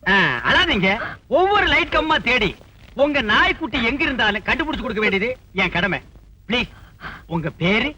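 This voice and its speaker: A man's voice: very high-pitched, expressive, moderate pace, pushed and bright, a little hiss or hum, exaggerated voice. An actor playing a vain, boastful village man posing as a head constable, who talks pompously and drops broken English into his lines. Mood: flirting. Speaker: comic actor in a film scene. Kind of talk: film comedy dialogue.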